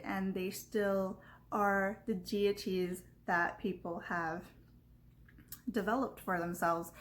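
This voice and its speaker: A woman with a Californian Valley Girl accent talks off the cuff, as if for a video review. Her delivery is unhurried and thoughtful, with halting phrases and casual filler words. Her voice sits at an ordinary middle pitch. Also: a little hiss or hum. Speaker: book reviewer.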